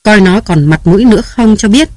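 A man's voice: high voice, fairly quick, dry recording, clean studio sound, voice pushed up, lightly acted. A man reading aloud who voices a jealous, domineering young husband barking harsh commands and threats.

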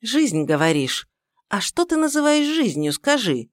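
Woman putting on a shrill scolding older mother-in-law. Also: big pitch swings, moderate pace, no echo, clean studio sound. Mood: reproachful. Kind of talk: audiobook character reading.

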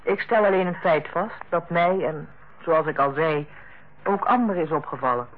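An actress playing a tactful, composed middle-aged hospital director in a Dutch radio play, speaking in a measured, formal way. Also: female voice, on the low side, close to an everyday voice. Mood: careful, tactful. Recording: tinny, narrow-band old radio recording.

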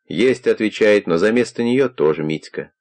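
A man reading the part of a calm, kindly older investigator who questions in a persuasive, probing way. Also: sits low, normal speed.

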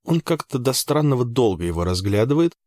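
A man narrating a first-person audiobook in an even, measured way with dry understatement. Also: medium pitch, no echo.

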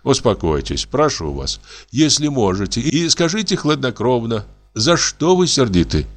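A man doing a meek, soft-spoken doctor. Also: medium pitch, big pitch swings, moderate pace, pitched above the performer's own voice. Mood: soothing. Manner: soft, mild, apologetic. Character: meek, gentle middle-aged male doctor.

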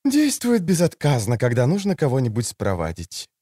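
A man's voice: mid-range voice, huge pitch swings, normal speed, mellow, husky, dry recording, studio quality. A man reading an audiobook, voicing a languid, provocative adult woman in a scheming mood. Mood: teasing. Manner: drawling, provocative.

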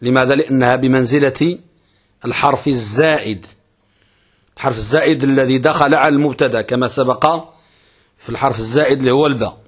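A man's voice: mid-range voice, fairly even intonation, husky. A man giving a grammar lesson, explaining step by step and putting questions to himself before answering them. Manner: chants verse slowly. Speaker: sheikh teaching Arabic grammar.

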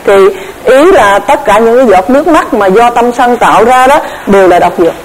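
A woman giving a Buddhist dharma lecture, measured and explanatory, often repeating words as she searches for the next one. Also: fairly high pitch, expressive, noisy background. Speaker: Buddhist Abhidhamma teacher.

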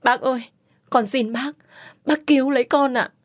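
A woman voicing a young woman who is grieving, pleading and shouting in an audiobook. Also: high voice, moderate pace, no room sound, studio quality, voice pushed up, natural voice. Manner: shouting and sobbing pleas. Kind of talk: audiobook character voice.

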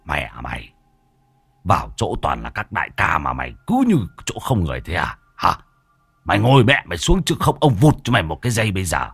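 Coarse bully tough guy, put on by a man, deep and gruff, quick threats, ghost story reading. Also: sing-song, a bit bright, no echo, exaggerated voice. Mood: threatening. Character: rough, bullying middle-aged male thug.

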